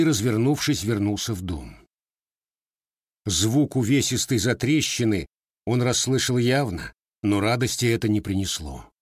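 A man's voice: lowish voice, dry recording. Man reading an audiobook, dry sound. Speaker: audiobook narrator. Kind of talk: scripted narration.

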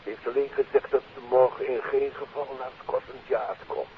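A man's voice: mid-range voice, little pitch movement, moderate pace, lightly acted. An actor playing a worried middle-aged doctor and father in a 1950s radio drama. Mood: concerned, doubtful. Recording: thin telephone-like, hissy 1950s radio recording.

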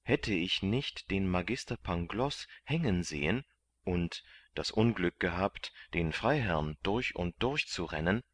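A man voicing an earnest, excitable young hero who pleads eagerly in a raised voice in a storybook reading. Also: low voice, a little slow. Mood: eager, excited.

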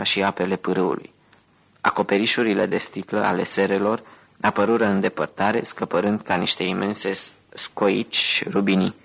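A male audiobook narrator reads in a steady, even way. His voice is deep and husky, with a gravelly texture. The pitch stays flat and level throughout. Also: low-quality recording.

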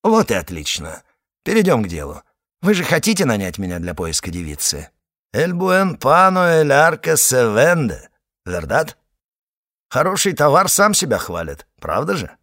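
A man voicing a small, fat, proud male detective from the south who speaks with a put-on foreign accent and a flowery, quick-tempered manner. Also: mid-range voice, huge pitch swings, fairly bright tone, no echo, studio quality, pitched above the performer's own voice, full character voice. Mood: cheerful.

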